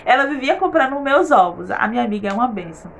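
A woman's voice: a little high, expressive, quick pace, gravelly, slight background noise. A woman giving an earnest faith testimony in her vlog, repeating words for emphasis.

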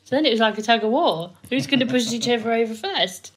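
A woman's voice: fairly high pitch, expressive, fast talker. A young woman from northern England with traces of a northern English accent, bantering casually and swearing as a podcast co-host. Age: young adult. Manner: giggly, sweary. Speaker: podcast co-host and amateur voice actor. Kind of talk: casual banter over bloopers.

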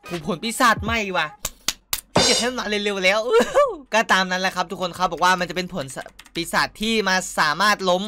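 Excitable swearing young gaming streamer. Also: male voice, high voice, fast talker. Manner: excitable, swears freely, talks straight to viewers. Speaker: gaming YouTuber. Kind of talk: casual gameplay commentary. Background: background game music.

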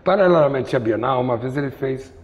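A man's voice: medium pitch, expressive, brisk, big-room sound, dull audio. An older man from Brazil interviewing in an artist's studio on a lapel mic, telling wry, digressive stories. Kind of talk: rambling conversational interview.

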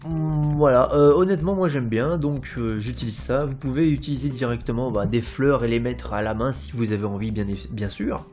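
A young man talks through a building tutorial in an easy, rambling way. His voice sits at an ordinary middle pitch, and he drops in fillers and small "hop" sounds as he places things. Faint music plays underneath. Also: moderate pace, few pauses, a little mellow. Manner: rambling and informal, many fillers and "hop", playful. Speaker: Minecraft building tutorial host. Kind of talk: casual gameplay tutorial narration. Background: faint background music.

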